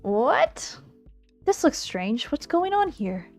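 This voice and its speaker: Sitting high in pitch, this woman's voice is sing-song, slow-paced and somewhat dark in tone. She's a streamer with a playful manner who reads a visual novel's text aloud and comments casually while playing, with game music in the background.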